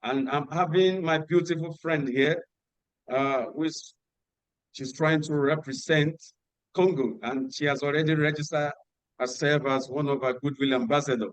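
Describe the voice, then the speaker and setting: A man hosting an online workshop on a video call, giving instructions and repeating key details slowly. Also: on the high side, steady tone, no room sound, low-quality recording. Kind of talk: announcements at an online meeting.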